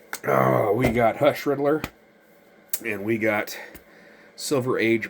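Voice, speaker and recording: Amid noticeable background noise, a man talks at a very slow pace in a medium pitch, with lively intonation and long, frequent pauses. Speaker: toy review youtuber. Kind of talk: casual review monologue. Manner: animated.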